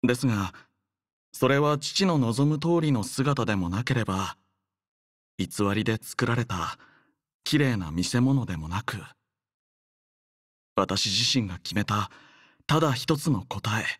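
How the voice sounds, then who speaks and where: A man voicing an earnest, devoted young male soldier in a game, speaking politely, softly and sincerely in a measured way. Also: a little high, animated, dry recording, studio quality. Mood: reflective, subdued. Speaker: voice actor. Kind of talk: acted game character voice lines.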